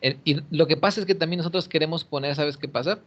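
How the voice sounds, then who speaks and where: A man's voice: a little high, quick pace. A man teaching English one-on-one over a video call, patiently explaining and modelling pronunciation. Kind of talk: one-on-one online English lesson. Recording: muffled lo-fi call audio.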